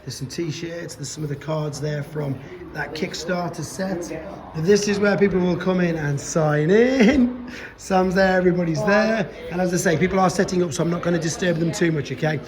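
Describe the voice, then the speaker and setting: Crowd noise fills the background as a toy vlogger, his pitch fairly high and his speed normal, walks a convention venue on camera. He chats offhandedly, starts over again and again, and is losing his voice.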